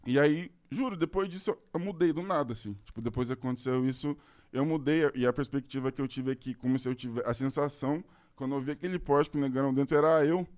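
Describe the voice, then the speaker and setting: A man's voice: medium pitch, fast, a little mellow. A man with a Brazilian accent telling a long personal story in casual podcast chat, rambling and full of slangy filler words. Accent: Brazilian Portuguese.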